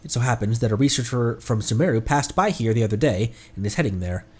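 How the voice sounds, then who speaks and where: A woman's voice: extremely low pitch, animated, quick pace, darkish tone, husky, heavily acted. A woman playing a kind, anxious young villager in a video game, speaking hesitantly and apologetically. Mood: worried.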